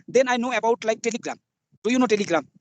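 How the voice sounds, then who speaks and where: Fast-talking Bengali-accented man, high voice. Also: animated. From West Bengal, India. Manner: hesitant, many fillers, simple broken grammar. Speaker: soldier, English learner guest. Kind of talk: casual interview, learner English.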